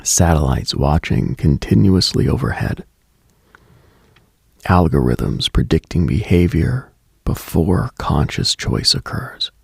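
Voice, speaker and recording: A low, heavily gravelled male voice delivers a hushed, brooding late-night radio monologue, like a mystical broadcast host speaking into the small hours. He speaks slowly with big swings in pitch, and the sound is close and dry with no room sound at all.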